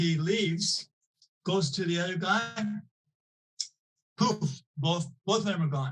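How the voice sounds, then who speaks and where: A man's high-pitched voice with a western Canadian accent, at a moderate pace with ordinary pitch variation. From Canadian prairies, Saskatchewan. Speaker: author and spiritual seer. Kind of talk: interview storytelling. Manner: halting, many restarts.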